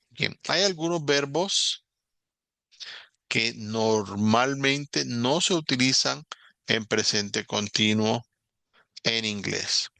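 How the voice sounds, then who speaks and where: A man's voice: mid-range voice, creaky, bright, forceful tone, no room sound. A man teaching English grammar in a recorded lesson, explaining patiently, repeating example words and checking in with his students.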